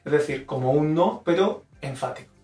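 A man's voice: on the high side, animated, moderate pace, a little mellow, roomy sound, distant mic, soft background music. A man from Spain with a Spanish accent, explaining expressions in a video lesson and carefully modeling intonation. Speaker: Spanish teacher.

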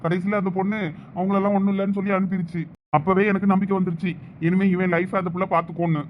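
A man's voice: high voice, little pitch movement, racing, slight background noise. A young man acting a husband in a village comedy skit, coaxing and pleading playfully. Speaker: sketch actor. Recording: dull lo-fi recording.

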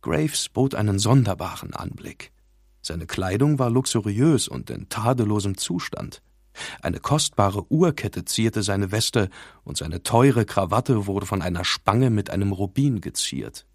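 A man reading an audiobook in a measured, dramatic scripted narration, recorded in a studio. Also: on the low side, lively intonation, no echo.

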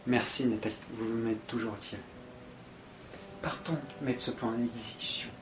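A man's voice: medium pitch, fairly even intonation, moderate pace, noisy background, natural voice. A man playing a coldly manipulative supervillain boss in a fan film drama. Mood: composed, calculating. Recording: echoey room with music bed.

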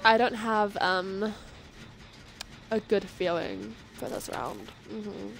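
A woman giving casual gameplay commentary, jumpy and quick to laugh, swearing often. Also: mid-range voice, fairly even intonation, creaky, a bit bright. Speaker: gamer.

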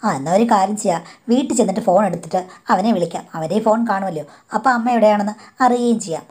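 A woman's voice: medium pitch, racing, a little mellow. A woman narrating her own life story in a confiding, indignant tone, often addressing her listener as madam.

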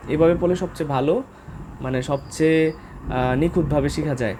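A man's voice: on the high side, moderate pace, dark tone, slight background noise. A man with a Bangladeshi accent giving a casual vocabulary lesson, talking informally with frequent filler sounds and spelling words out letter by letter. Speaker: English vocabulary teacher.

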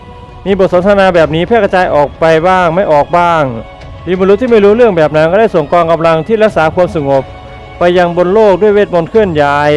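A man narrating a web novel in a steady, plain way, his voice pitched high for a man. Soft music runs faintly underneath. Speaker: novel reader. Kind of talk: web novel read aloud.

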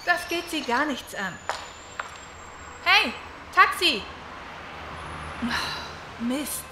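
A nervous young woman in distress. Her voice is very high and very slow, swinging in pitch. The audio drama recording is echoey and noisy. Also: expressive, heavily acted. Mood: flustered.

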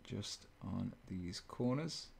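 A man with a low, fairly monotone voice, chatting casually on a live stream while he paints miniatures and reads chat. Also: takes it slowly, gravelly, a little hiss or hum. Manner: relaxed, chatty, chuckles often, reads chat aloud. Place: indoors at a painting desk.

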